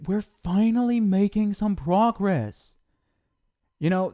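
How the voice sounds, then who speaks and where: A young man talks softly in an ASMR roleplay, scolding the listener with teasing affection. His delivery is slow and unhurried. His tone is warm and mellow. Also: a little high.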